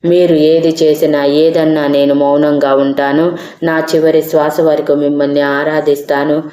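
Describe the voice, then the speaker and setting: A woman's voice: low-pitched, flat delivery, unhurried, mellow. A woman voicing a stubborn, devoted young woman in an audio story, speaking firmly and insistently. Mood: tearful devotion. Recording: roomy echo.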